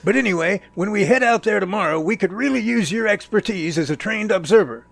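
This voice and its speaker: In an amateur audio drama, a man plays a folksy, excitable professor heading a search team, using theatrical, old-fashioned phrasing. His voice is high-pitched and gravelly, a little fast, and his mood is friendly as he explains things.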